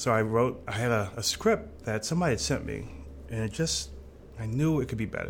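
A man with a medium pitch and vocal fry speaks at a fairly quick pace. His pitch swings very widely, and the room echo is audible. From Chicago. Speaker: screenwriter and film director. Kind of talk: interview.

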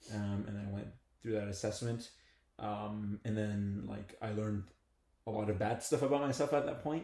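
With a dark, mellow tone and somewhat breathy quality, a man talks at a moderate pace, his fairly low pitch showing ordinary variation. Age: 20s. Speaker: podcast co-host. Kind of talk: casual chat.

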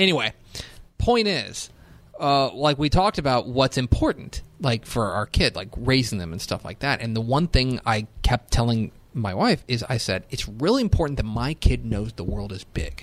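Lively intonation and vocal fry mark this man's medium-pitched voice. He speaks at a moderate pace. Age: 30s. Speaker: podcast co-host. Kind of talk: prepared reflection on a topic; casual chat. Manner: halting.

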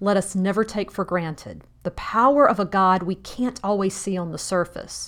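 Recorded very cleanly against a silent background, a woman with a Mississippi accent speaks at a fairly slow pace and medium pitch. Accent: Southern US (Mississippi). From US South, Jackson, Mississippi. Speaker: pastor. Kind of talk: reading aloud of a devotional reflection.

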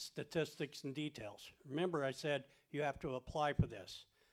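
A plain, everyday voice talks at a moderate pace. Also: man. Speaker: church member sharing testimony. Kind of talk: testimony. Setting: church service with live stream.

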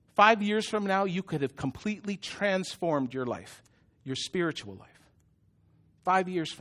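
The tone is bright and sharp, captured in a very clean recording with a silent background. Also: man, high pitch for a man, ordinary pitch variation, moderate pace. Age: 50s. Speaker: pastor. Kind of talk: sermon.

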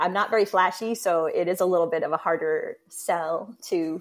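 This woman speaks at a medium pitch. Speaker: swim coach, marathon swimmer. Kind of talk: casual interview chat. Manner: laughs often.

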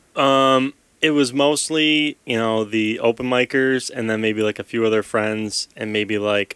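In a plain, everyday voice, a man speaks at medium pitch and a fairly slow pace with fairly even intonation, dry and close with no echo in a very clean recording over a silent background. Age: 20s. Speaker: friend of the host, amateur comedian. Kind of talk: casual chat.

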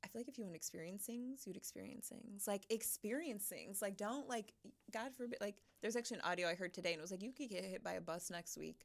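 A woman at a very fast pace, medium in pitch, animated in tone, with vocal fry. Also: ordinary pitch variation. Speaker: podcast co-host. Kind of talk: casual chat. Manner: loud, animated.

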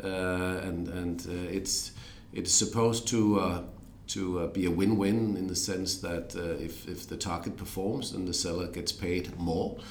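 In a Danish accent, a man with a very deep, low voice speaks at a fairly slow pace. His intonation is monotone and flat, and the room echo is audible. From Denmark. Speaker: arbitrator. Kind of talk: interview. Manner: halting.

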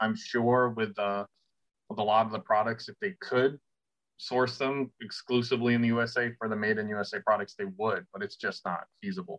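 A man with a normal speaking voice, pitched at a medium level, keeps a moderate pace and shows ordinary pitch variation. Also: dry, close sound with no echo. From New York City. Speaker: sneaker collector. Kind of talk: casual chat.

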